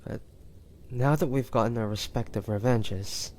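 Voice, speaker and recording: A man playing a tender, devoted hunter turned immortal in an intimate audio roleplay, speaking haltingly and emotionally to a lover. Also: mid-range voice, a little mellow, a little hiss or hum, close to an everyday voice. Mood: tender, earnest. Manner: halting, emotional, breathy sighs and whispers.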